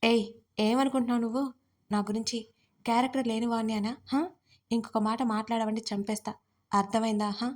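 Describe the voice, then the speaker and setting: Harsh angry young husband for a storybook, read by a woman narrator, sharp threats, fairly high pitch. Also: steady tone, fairly quick, pauses often, lightly acted.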